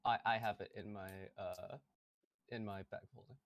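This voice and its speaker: A man playing a tabletop game, bantering casually in and out of character in an excitable, halting way. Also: fairly low pitch, dry recording.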